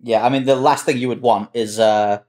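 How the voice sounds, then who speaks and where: Male panelist, medium pitch, casual and understated with a wry delivery. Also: fairly even intonation, moderate pace, darkish tone. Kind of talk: casual chat.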